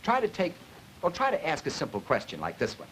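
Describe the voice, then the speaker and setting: A noisy 1950s educational film soundtrack carries a man's fairly high, widely swinging voice. He lectures as a linguistics teacher, emphatic and deliberate, stressing key words as he explains. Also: huge pitch swings, a bit bright.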